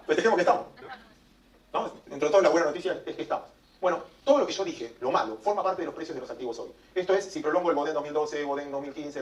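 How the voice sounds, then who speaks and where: A man with an Argentine accent giving an economics talk to an audience, emphatic and joking, recorded at a distance in an echoey room. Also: fairly high pitch. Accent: Argentine Spanish. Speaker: economic speaker. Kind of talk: lecture to an audience.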